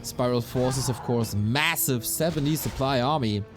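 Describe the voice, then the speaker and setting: A man casting an esports match play by play, his voice a little raspy, breaking into quick bursts of excitement at big plays. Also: mid-range voice. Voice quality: slightly raspy. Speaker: esports caster. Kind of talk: play-by-play game commentary. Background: game music.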